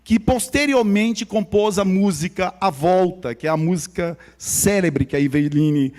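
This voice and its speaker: High-voiced Brazilian man from Maranhão. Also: unhurried, a little mellow. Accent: Maranhão Brazilian Portuguese. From São Luís, Maranhão, Brazil. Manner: conversational storyteller, speaks directly to the audience. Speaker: guest speaker at church. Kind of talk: personal testimony to a congregation. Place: church hall with a congregation.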